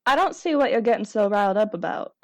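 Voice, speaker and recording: A woman's voice: medium pitch, expressive, quick pace, darkish tone, dry recording, lightly acted. A woman playing a skeptical, unbothered twin sister in an audio drama, dismissive and matter-of-fact.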